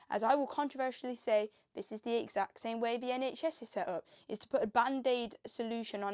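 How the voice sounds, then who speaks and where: Fairly quick and animated, a woman speaks in a Birmingham accent, the sound dry and close with no echo. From England, Birmingham. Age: 20s. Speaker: YouTuber. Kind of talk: vlog monologue. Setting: home bedroom.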